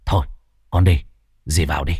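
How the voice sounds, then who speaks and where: Man doing a gruff young troublemaker, low rough voice, dry close sound. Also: steady tone, moderate pace, darkish tone, dry recording, full character voice. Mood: wheedling. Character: surly young village thief, coarse and swaggering.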